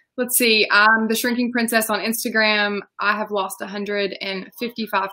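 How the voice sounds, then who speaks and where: In a strong Southern US accent, a woman talks at a moderate pace and a medium pitch, with a bright, sharp tone and monotone, flat intonation. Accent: thick Southern US. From US South, East Tennessee. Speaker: weight-loss influencer. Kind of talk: interview.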